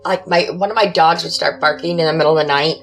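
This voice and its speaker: A woman's voice: low voice, steady tone, fast talker, creaky, fairly bright tone, faint music behind. A woman guest on a podcast telling her own paranormal experiences conversationally, in short, matter-of-fact dramatic phrases. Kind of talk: conversational first-person storytelling.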